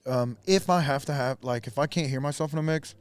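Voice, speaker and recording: A man's voice: mid-range voice, brisk, clean tone. A man, a musician guest, talking earnestly and emphatically in a casual backstage chat.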